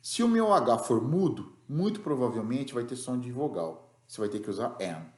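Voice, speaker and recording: A man's voice: mid-range voice, big pitch swings, moderate pace, a little mellow, roomy sound. A man with a Brazilian Portuguese accent teaching an English grammar lesson, explaining rules patiently and checking in with the class after each point.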